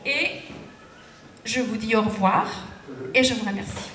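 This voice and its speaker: A middle-aged woman giving a conference talk at a lectern into a handheld mic, speaking deliberately and checking in with the audience. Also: a little high. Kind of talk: lecture presentation. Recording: echoey room, distant capture, faint noise.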